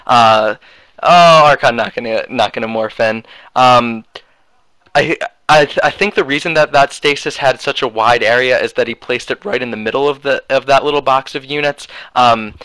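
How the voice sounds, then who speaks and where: A man's voice: mid-range voice, normal speed, sharp tone, clear, resonant tone, no room sound, rough recording. A young man giving casual, rambling game commentary with lots of fillers and hedges, on a headset mic. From United States. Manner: rambling, hedging, many fillers. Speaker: esports commentator.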